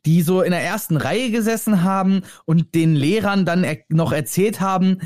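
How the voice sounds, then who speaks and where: A young man co-hosting a casual podcast, talking in animated, rambling stretches. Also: sits high, normal speed, dry recording, studio quality. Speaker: podcast co-host. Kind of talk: casual chat.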